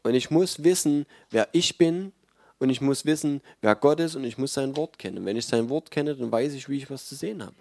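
Male preacher, dark mellow tone, dry close sound, conversational and emphatic sermon delivery. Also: medium pitch, fairly quick, vocal fry, no echo.

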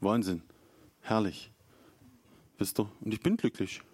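A man's voice: fairly low pitch, expressive, unhurried, a little mellow, slightly rough. A man preaching an informal sermon, chatty and storytelling, acting out quotes along the way.

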